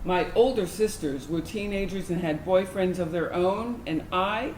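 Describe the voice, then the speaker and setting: Reflective lesbian, played by a woman, slow confessional stage monologue recalling girlhood, echoey room, slight noise. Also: on the low side, a little mellow, natural voice. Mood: reflective, confiding. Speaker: actor in a staged reading. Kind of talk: dramatic monologue reading. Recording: roomy, noisy live stage recording.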